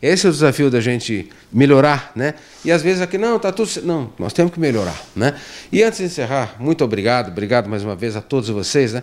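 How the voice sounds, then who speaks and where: With very wide pitch swings, this man's speech moves at a fairly quick pace. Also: medium pitch for a man. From Brusque, Santa Catarina, southern Brazil. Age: 60s. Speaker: TV talk show host. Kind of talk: TV interview and on-air criticism. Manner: indignant, emphatic.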